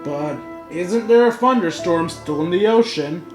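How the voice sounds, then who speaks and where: Higher-voiced man doing casual game commentary. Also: expressive, measured pace. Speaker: gamer, video host. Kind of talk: casual game commentary with read-aloud dialogue. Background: game music.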